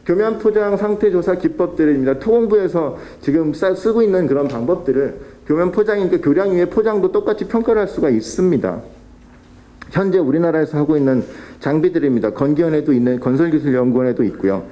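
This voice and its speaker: A man's voice: on the high side, animated, fast, warm tone, dull audio. A man presenting at a policy forum, explaining technical methods with fillers and restarts. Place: council hall.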